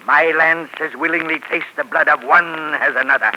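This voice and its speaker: An actor playing a cruel, arrogant black knight in a 1940s radio drama, speaking in a haughty, scheming way. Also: male voice, fairly high pitch, fairly even intonation, moderate pace, lo-fi sound, close to an everyday voice. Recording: noisy 1940s radio broadcast.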